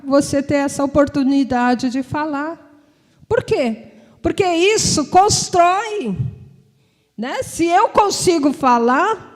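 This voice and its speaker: A woman's voice: high voice, a little mellow. A woman preacher and psychologist giving a conversational sermon, informal and repetitive, often checking in with her listeners. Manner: informal and repetitive, with frequent tag questions. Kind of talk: conversational sermon to a congregation and online viewers. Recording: long reverb from a large hall.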